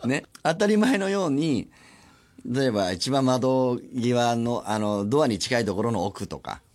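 A man hosting a solo radio show, chatting casually and acting out other people's lines in quick little voices. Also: mid-range voice, animated, a little mellow. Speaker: radio host.

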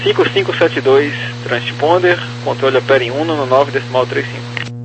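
A man working as an air traffic controller, reading procedural clearances over a crackly aviation radio. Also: medium pitch, normal speed, highs cut off.

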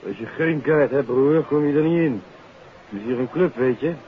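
Guy playing a gruff-mannered club bouncer in an old 50s radio play, short and cocky, dull lo-fi sound. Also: medium pitch, normal speed, natural voice. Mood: brusque. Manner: curt, slangy. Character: brusque, slangy nightclub doorman, dismissive. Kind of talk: 1950s Dutch radio play acting. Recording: thin, muffled old radio recording.

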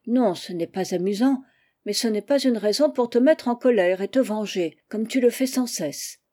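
A woman voicing a gentle, wise young cousin who gives patient advice in a storybook reading. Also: a little high, moderate pace, natural voice.

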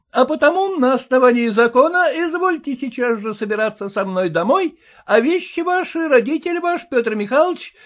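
A man's voice: very high-pitched, voice pushed up. A man playing a pompous, legalistic husband who blusters and sneers, with a pedantic way of talking.

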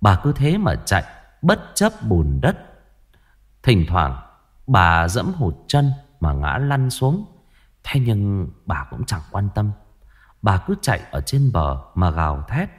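A man narrating a ghost story in a lively way. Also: on the low side, slow, slightly rough.

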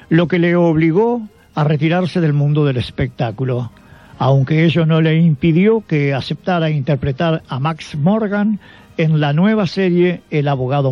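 A man with an Argentine accent reading a scripted biographical narration as a radio show host. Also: fairly high pitch. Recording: dull lo-fi sound with background music. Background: music.

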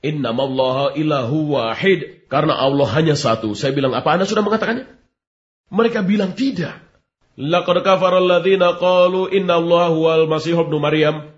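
A man dubbing a religious debate lecture, preaching emphatically and reciting scripture slowly. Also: on the high side, lightly acted. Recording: dull lo-fi recording.

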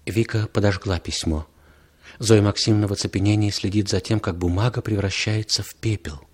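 A man narrating the stage directions of an old radio drama in a measured, expressive reading. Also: lowish voice, breathy edge. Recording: old radio play with music behind.

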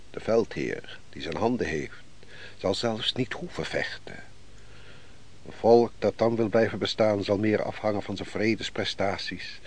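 An actor playing a defeated army commander in a Dutch radio play, weary, bitter and brooding, speaking in a grave, declamatory way. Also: male voice, low voice, creaky, heavily acted. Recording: noisy old radio play recording.

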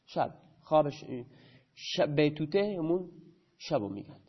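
A man's voice: a little high, sing-song, breathy edge, dull audio. A man teaching grammar in a lecture, who asks his students questions and then answers them himself.

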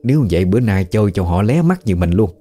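A man's voice: lowish voice, sing-song, fast, dark tone, soft background music. A man with a Southern Vietnamese accent voicing the ghost of an old woman who mutters gleefully to herself. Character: cheerful old woman's ghost, unaware she died.

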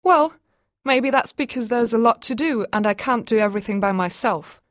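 Exasperated young mother, sharp-tongued, high and strained, read by a woman. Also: normal speed, no room sound, studio quality, natural voice. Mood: irritated. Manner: shrill and frantic when arguing.

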